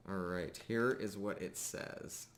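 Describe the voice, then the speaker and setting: A man narrating a tabletop game as game master, improvising in a casual, halting way. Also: low-pitched, fairly even intonation, a little hiss or hum.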